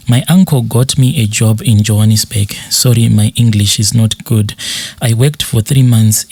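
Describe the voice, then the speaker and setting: A man's voice: on the low side, warm tone, no echo. A man with a South African accent hosting a channel and earnestly reading out a listener's life story as scripted narration.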